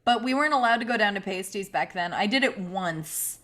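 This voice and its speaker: A woman's voice: medium pitch, animated, a little fast, a bit bright. A woman talking casually and slangily with friends on a group video call. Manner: chatty, informal, slangy.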